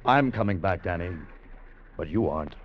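An actor playing a calm, stern man in a 1940s radio drama, speaking in a cool, level, quietly menacing way. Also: low voice, normal speed. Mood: cold. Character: calm, stern man who turns in a killer. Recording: dull old radio broadcast, faint noise.

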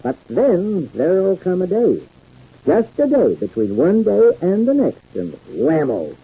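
Mellow, high-pitched folksy old American uncle. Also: male voice, huge pitch swings, a little slow, breathy edge, heavily acted. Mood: overjoyed, folksy. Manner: homespun, rambling, chuckling country talk. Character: folksy, gleeful small-town older uncle, good-natured. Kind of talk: 1950s radio soap opera acting. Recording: dull 1950s radio recording.

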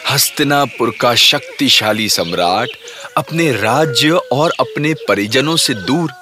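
An actor playing a solemn royal attendant who laments a death, over music. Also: male voice, mid-range voice, animated, slow pace, noisy background.

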